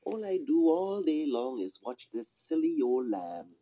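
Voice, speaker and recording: A puppeteer voicing a mischievous, excitable young shepherd boy with exaggerated delivery in an amateur puppet show. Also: mid-range voice, measured pace. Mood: bored, scheming. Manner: exaggerated, yelping when alarmed. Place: small indoor room, behind puppet curtain.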